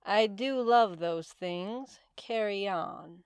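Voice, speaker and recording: A woman playing a stern, imperious Titaness who speaks in a measured, formal, curt way in a fantasy audio drama. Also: mid-range voice, clear, resonant tone. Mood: cool, curt.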